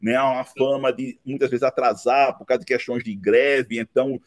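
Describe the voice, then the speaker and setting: A man, recounting his life story in an interview, unhurried and dotted with tag questions. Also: medium pitch, fairly even intonation, no echo. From Recife, Brazil. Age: 50s. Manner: unhurried, with frequent "né" tags and restarts. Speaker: interview guest, law professor. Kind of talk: relaxed autobiographical interview.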